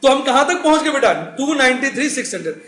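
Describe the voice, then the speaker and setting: A man's voice: extremely high pitch, animated, fast, a bit bright. A middle-aged man teaching accounts in a recorded classroom lecture, chatty, asking the class questions and answering them himself. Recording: echoey room with faint noise.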